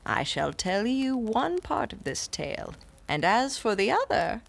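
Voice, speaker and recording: An actress narrating and playing a stern, learned woman classicist, with measured, formal, often hushed storytelling. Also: on the high side, sing-song, vocal fry. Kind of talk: audio drama narration.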